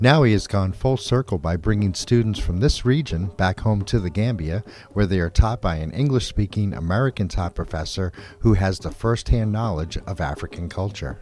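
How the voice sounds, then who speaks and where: An unremarkable speaking voice at a moderate pace, full of lively intonation. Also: man, fairly low pitch for a man. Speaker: news narrator. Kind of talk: TV news feature narration.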